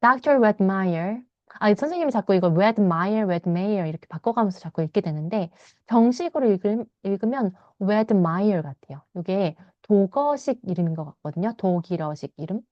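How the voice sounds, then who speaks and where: A Korean woman teaching English by reading a novel aloud. She reads English lines slowly and explains them in fast Korean, sometimes acting out the characters in a higher voice. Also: expressive, no room sound, highs cut off. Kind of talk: bilingual read-aloud lesson, explaining a novel.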